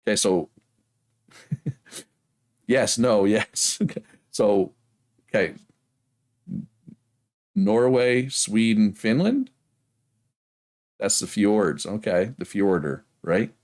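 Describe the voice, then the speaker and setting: A Prince Edward Island man chats loosely with the audience of his game livestream, his speech meandering and dotted with "right?". He has a lowish, darkish voice with lively intonation, speaking slowly and pausing often.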